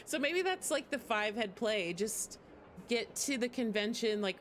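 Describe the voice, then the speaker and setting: Slow-paced woman streamer chatting casually. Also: fairly high pitch, animated, fairly bright tone, a little hiss or hum. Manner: rambling, giggly. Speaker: game streamer. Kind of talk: casual chat over gameplay.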